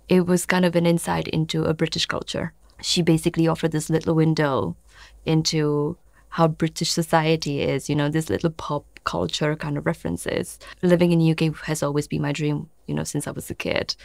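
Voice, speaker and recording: A woman's voice: low voice, vocal fry, dry recording, clean studio sound. A woman from the Czech Republic with a Czech accent, talking earnestly and animatedly as an interviewee. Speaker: interviewee, longtime reader.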